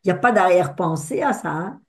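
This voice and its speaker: A woman's voice: lowish voice, fast talker. An older woman giving a personal testimony to an audience, telling stories expressively and acting out the dialogue. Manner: expressive storyteller who acts out the dialogue. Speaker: speaker at a talk with audience discussion.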